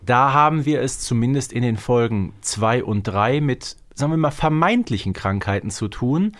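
A man's voice: medium pitch, lively intonation, normal speed. A man co-hosting a podcast, explaining things in casual, conversational talk. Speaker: podcast co-host.

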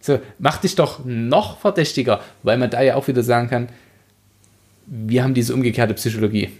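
A man chats as co-host of a book podcast. His voice sits at an average male pitch. He argues bluntly and casually, with plenty of slang. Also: moderate pace, a little mellow.

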